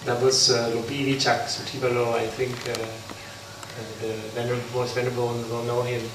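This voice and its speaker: A Buddhist monk from the Netherlands gives an unprepared talk at an interfaith forum in a large hall, halting with many pauses. His mid-range voice is monotone. The recording is echoey and captured from far off, with background noise.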